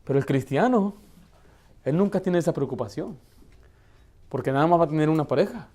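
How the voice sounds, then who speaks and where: A man's voice: on the high side, expressive, fairly quick, warm tone. A male pastor preaching in church with a voice that sits a little above the usual male range. He talks to the congregation directly, emphatic and conversational. He keeps tossing rhetorical questions at them. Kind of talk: Baptist sermon.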